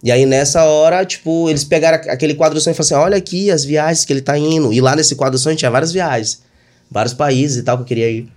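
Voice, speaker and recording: Fast-talking Brazilian man telling a story. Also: fairly high pitch. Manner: rapid, animated storytelling with many fillers. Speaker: guest. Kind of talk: casual storytelling interview.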